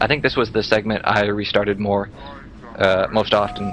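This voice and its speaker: Music plays in the background as a man speaks at a moderate pace in a fairly low pitch. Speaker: speedrunner giving game commentary. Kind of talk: group commentary over gameplay.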